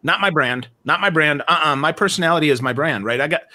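A man co-hosting a casual live-streamed talk show over a video call, blunt and full of quick asides. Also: on the high side, pushed and bright. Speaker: co-host.

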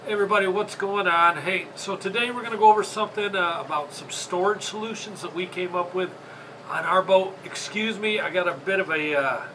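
Congested michigan guy rambling thru a fishing how-to, bright highish voice, faint hum behind. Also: brisk, low-quality recording. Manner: chatty, rambling, apologetic. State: congested from a sinus infection. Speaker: fishing channel host. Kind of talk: casual how-to video. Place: indoor tackle workshop.

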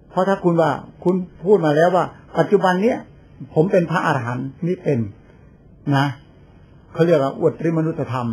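A man's voice: on the high side, a little mellow, husky. An older man, a Buddhist monk, giving an informal sermon in a chatty storytelling way, acting out other people's lines as he goes. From Thailand. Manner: chatty storytelling with laughs and quoted voices.

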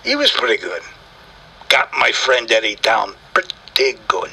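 An actor voicing a grumpy, touchy black cat celebrity with a raspy voice, griping and wisecracking in slangy style in a comic audio interview. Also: male voice, medium pitch, huge pitch swings, measured pace, pushed and bright, a little hiss or hum, exaggerated voice, low-quality recording. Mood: sardonic griping. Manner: brash, slangy, sardonic showbiz griping.

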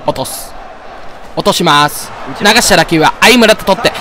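A man commenting on his own game play in an excitable, ranting, sarcastic way. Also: high-pitched, moderate pace. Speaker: gaming video host. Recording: game crowd noise behind.

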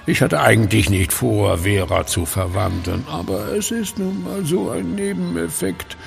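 Gravelly, gloating werewolf villain. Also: male voice, medium pitch, measured pace, faint music behind. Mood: smug, menacing. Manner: theatrical, mockingly polite, savoring words. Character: sadistic werewolf clinic director, gloating, mannered villain. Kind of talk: German horror audio drama acting.

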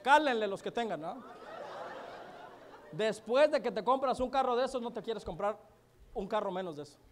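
A man's voice: sits high, animated, moderate pace, a little hiss or hum. A man telling a humorous success story to a live audience in a colloquial, chatty way. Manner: joking, colloquial, chatty with many asides to the audience. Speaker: motivational speaker at a business event.

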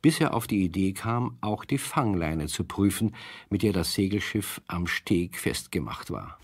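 A man narrates a children's radio play as a storyteller. His voice is on the low side and husky, recorded dry and close. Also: animated, a little slow, no room sound.

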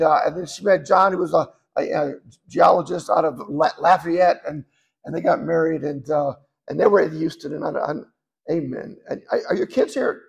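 An older man in his seventies preaches with a raspy, hoarse voice full of gravel and fry. His pitch sits fairly high for a man, and he rambles through warm, self-deprecating asides between points. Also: poor audio. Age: 70s. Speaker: guest preacher. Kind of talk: sermon.

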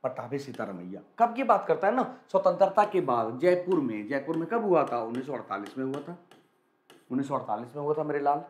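Brief: young man, exam-prep teacher, slightly higher voice, punchy repetitive drilling, echoey studio. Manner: energetic, repetitive, coaxing students to answer quickly. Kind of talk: live quiz lesson for students.

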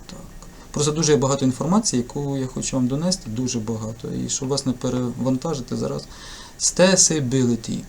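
A man who tutors English talks through a test task in a casual lesson, in a lively, chatty and jokey way. Ukrainian is his first language. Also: mid-range voice, brisk, creaky, a little hiss or hum. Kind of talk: casual screen-recorded lesson commentary.

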